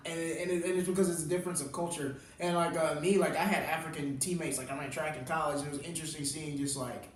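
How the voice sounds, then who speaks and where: A young man talking casually on a panel and telling stories animatedly. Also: on the high side. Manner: animated, speeds up and slows down, imitates people in quotes. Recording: echoey room, mic at a distance.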